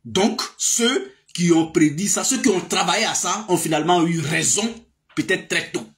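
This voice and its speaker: A man's voice: sits high, normal speed, fairly bright tone. A man, giving a casual political monologue with many fillers and emphatic outbursts. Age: 30s. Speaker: political commentator.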